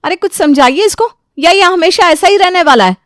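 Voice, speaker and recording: A woman's voice: very high-pitched, lively intonation, fairly quick, fairly bright tone, no echo, clean studio sound, voice pushed up. A woman voicing a mother who coaxes and scolds her son, in a storybook tale. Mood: scolding. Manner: coaxing and scolding.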